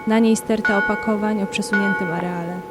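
A woman reciting poetry for an audio drama in measured, solemn, short phrases, with music behind her. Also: medium pitch, fairly even intonation.

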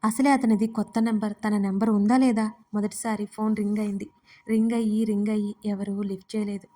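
A woman narrating a romance story in an even, steady reading style. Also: medium pitch, a little fast.

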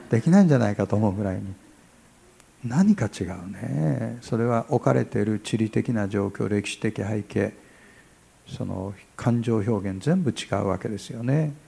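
Older japanese pastor giving a sermon, gravelly and kinda husky, jokey, quiet then suddenly loud. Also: male voice, lowish voice. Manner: chatty and humorous, acts out dialogues, shifts from quiet to loud.

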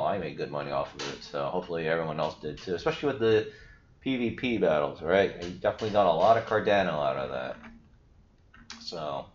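A man's voice: on the low side, slight background noise. A young man hosting a casual screen-share walkthrough of a crypto project, chatty and explaining as he goes, with lots of fillers. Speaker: crypto video host. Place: small room indoors. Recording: roomy, dull lo-fi sound.

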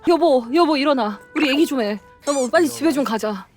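A young woman streams a game in a very high, lively voice, loud and excitable. She jokes as a panicked husband and often breaks into shrieks. Game music plays clearly behind her. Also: brisk. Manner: comic, playing a panicked husband. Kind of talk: live game streaming commentary.

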